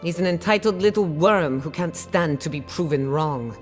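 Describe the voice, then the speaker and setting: An actress playing a proud, sharp-tongued outcast woman scholar in dramatic video game dialogue, articulate, assertive and wry. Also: sits low, normal speed, soft background music, natural voice. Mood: irritated.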